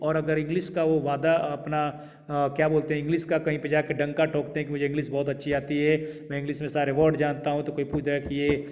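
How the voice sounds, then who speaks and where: A man's voice: on the high side, completely flat delivery, a little mellow. Man teaching pronunciation, echoing hall. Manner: repeats words slowly, asks viewers questions. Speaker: English teacher. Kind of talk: pronunciation lesson to camera. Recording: long hall reverb.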